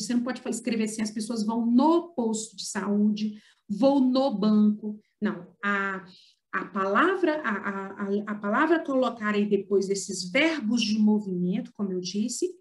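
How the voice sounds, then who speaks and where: A Brazilian woman teaching an online writing lesson, explaining patiently and slowing down to stress example words. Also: on the high side, fairly bright tone. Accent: Brazilian Portuguese.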